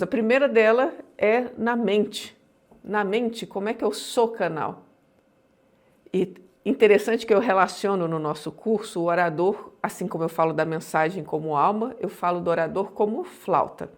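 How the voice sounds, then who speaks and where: A woman with a mid-range voice leads an online class on public speaking. She makes her points with emphasis and regularly checks whether listeners are keeping up.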